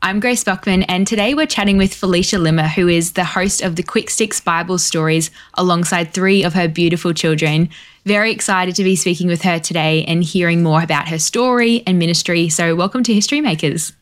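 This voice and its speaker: A woman's voice: on the low side, fairly quick. A woman hosting a faith interview, asking questions and affirming her guest. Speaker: guest host.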